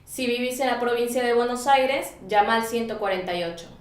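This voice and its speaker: A woman gives lesson lines in a fairly high, clear voice, measured for learners. An echoey room carries her words. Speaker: Spanish teacher. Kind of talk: scripted language lesson.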